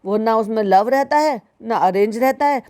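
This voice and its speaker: Woman reaction commentator with a higher voice, sarcastic and scolding, talks straight to the listener. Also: normal speed, dark tone. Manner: sarcastic, scolding, mimics the people she mocks; keeps addressing the listener as "bhai sahab".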